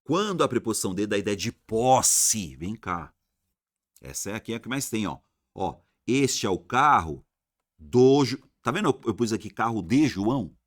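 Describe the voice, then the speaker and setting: A man with a Brazilian accent teaching a grammar lesson, slangy and lively, often tossing rhetorical questions at his viewers. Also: lowish voice, moderate pace. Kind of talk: exam-prep grammar lesson.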